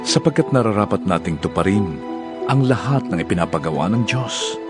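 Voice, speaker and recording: Man acting calm Jesus over loud music. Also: on the low side, brisk, natural voice. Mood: calm, assuring. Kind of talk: dramatized scripture audio drama.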